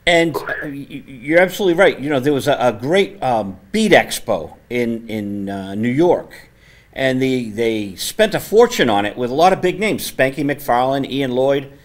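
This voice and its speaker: A man hosting a casual studio interview, speaking with a naturally loud, conversational voice into a microphone set on the table. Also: medium pitch, lively intonation, normal speed. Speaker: host. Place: community access TV studio.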